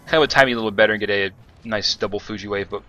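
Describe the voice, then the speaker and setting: A man talks through his own gameplay footage in an easygoing, rambling way. His voice sits a bit low, with a bright, forward edge to it. He stops often, with fillers and restarts. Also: very fast, highs cut off, soft background music. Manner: rambling, many fillers and self-corrections. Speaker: gaming commentator. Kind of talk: casual gameplay commentary.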